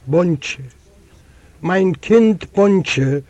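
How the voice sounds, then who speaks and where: A solemn old judge of the heavenly court , read by a man, speaks slowly and tenderly. His voice sits high but sounds dark and mellow, and the delivery is dry and close. He talks in an unhurried, drawn-out way. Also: expressive, no room sound, lo-fi sound, exaggerated voice. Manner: slow, tender, solemn reading. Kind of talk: audiobook storytelling. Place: library recording room.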